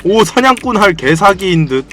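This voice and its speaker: A male game streamer giving excitable, playful let's-play commentary, full of slangy quips and sudden shouts. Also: high voice, normal speed. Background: faint game music.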